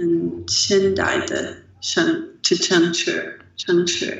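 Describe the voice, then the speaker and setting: With an English accent, a woman speaks in very wide pitch swings amid audible room echo. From United States. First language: English (speaking Chinese). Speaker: Mandarin learner, expat. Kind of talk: casual chat. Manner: halting. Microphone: audio cutting in and out.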